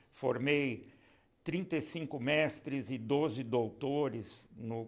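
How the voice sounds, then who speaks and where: A man at a medium pitch, ordinary pitch variation and a very slow pace. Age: 70s. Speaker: sports physiologist and retired professor. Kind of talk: podcast interview.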